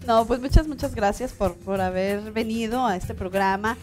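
A woman in her thirties from Mexico hosting a studio interview, chatty and quick to laugh. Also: fairly high pitch, faint music behind. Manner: laughs often, warm and chatty. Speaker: talk show host. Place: small TV studio.

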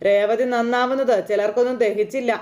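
A woman with a slightly high, mellow voice speaks fairly quickly and with fairly even intonation. She casually recaps an episode of a TV serial in a chatty, conversational way, often turning to the listener with fillers.

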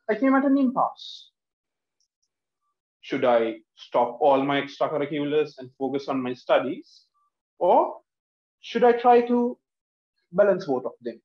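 A young man from Sri Lanka delivers a prepared speech with earnest emphasis, his voice sitting a little high. He is captured from across a room that echoes, and the sound is dull and lo-fi. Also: big pitch swings, measured pace. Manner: earnest and emphatic, gesturing with both hands. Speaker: speech contestant. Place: living room at home. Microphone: laptop camera across the room, headphones on.

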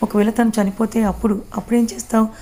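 A woman's voice: fairly high pitch, little pitch movement, racing, dark tone, lightly acted. A woman voicing a proud, reckless young woman, insistent and pleading.

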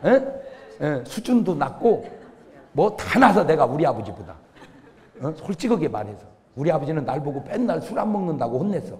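A male pastor preaches a humorous revival sermon in a high, very animated voice. He tells stories and acts out the quotes, and his voice carries long reverb through a large church hall. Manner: lively storytelling with acted-out quotes.

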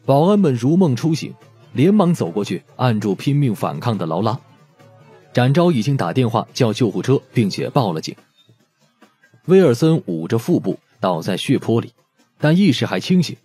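Mellow, expressive male audiobook narrator. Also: medium pitch, moderate pace, slightly rough, soft background music.

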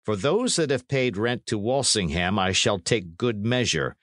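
Man acting a menacing, slow-spoken knight. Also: on the low side, lively intonation, no room sound. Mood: commanding, threatening. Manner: dry, commanding, archaic speech. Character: menacing, coldly mocking middle-aged knight and lord.

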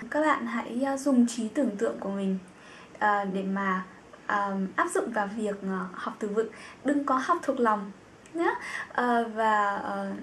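A woman's voice: fairly high pitch, a bit bright, slight background noise. A woman teaching German grammar in a video lesson, talking hesitantly with many filler sounds.

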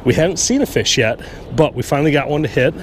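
A man's voice: on the high side, animated, fast. Guy hosting a fishing vlog out on a lake, chatty and upbeat, action cam, wind noise all over. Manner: chatty, upbeat gear talk. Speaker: fishing show host. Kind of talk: casual outdoor fishing vlog. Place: small boat on a lake outdoors. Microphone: action camera on the boat. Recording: wind and water noise outdoors.

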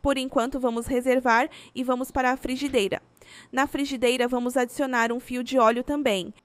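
A woman's voice: high-pitched, fairly even intonation, brisk, no echo. A woman with a Brazilian Portuguese accent, reading a scripted recipe voice-over as host.

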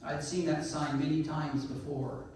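A man giving an informal, conversational church talk with a loud, folksy delivery. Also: a little high, level tone, measured pace. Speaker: church speaker. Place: church sanctuary. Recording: echoey church hall, distant mic.

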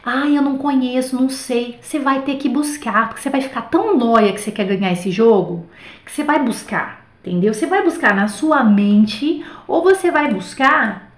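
This French teacher, a Brazilian woman, keeps her online lesson casual and talkative, sprinkling in fillers like "tá" and "né" with animated energy. Her pitch is fairly high and her pace moderate, and the recording has a roomy sound.

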